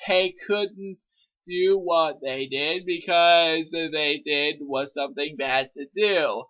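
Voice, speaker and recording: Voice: medium pitch, steady tone, takes it slowly, fairly bright tone, muffled recording. A co-reader giving a hammy, theatrical dramatic reading of fan fiction, with joking commentary.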